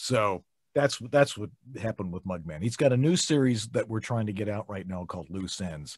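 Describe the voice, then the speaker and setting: Over a silent background in a very clean recording, a man talks at a moderate pace in an ordinary speaking voice. His pitch sits fairly low and his intonation is lively. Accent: American. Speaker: voice-over home studio consultant and voice actor. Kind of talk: casual interview.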